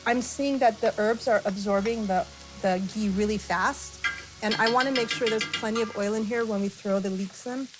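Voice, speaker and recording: A middle-aged woman with an American accent, explaining a dish and telling personal stories in an expressive way as a guest cook. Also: medium pitch, normal speed, low-quality recording. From born in Iran, raised in Arizona, US. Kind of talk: cooking demonstration with personal storytelling. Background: music and frying sizzle.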